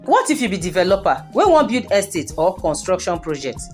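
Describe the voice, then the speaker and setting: A woman performs a lively, streetwise Nigerian woman giving advice on radio in Pidgin. Her delivery is folksy and persuasive, with a very animated pitch that swings up on exclamations. Faint music plays behind her. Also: brisk. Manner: folksy, exclamatory, persuasive, addressing listeners directly. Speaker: radio segment presenter.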